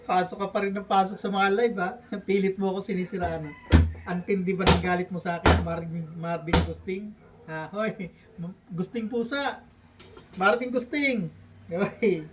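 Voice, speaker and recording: Mocking Filipino man vlogging from afar. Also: high voice. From Philippines. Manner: mocking, provoking, with frequent laughs and drawn-out hums. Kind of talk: taunting livestream rant. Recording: distant mic with faint background noise.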